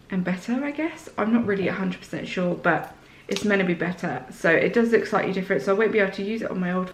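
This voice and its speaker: A woman vlogger with a slight sore throat, chatting excitedly through a casual unboxing indoors. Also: mid-range voice, roomy sound, a little hiss or hum.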